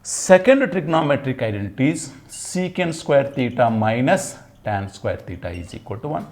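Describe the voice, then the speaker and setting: In a whiteboard classroom lesson recorded indoors on a lapel mic, a middle-aged Telugu-accented maths teacher speaks at normal speed in a mid-range, slightly mellow voice. He is very animated, hammering home phrases through repetition and asking himself questions as he goes.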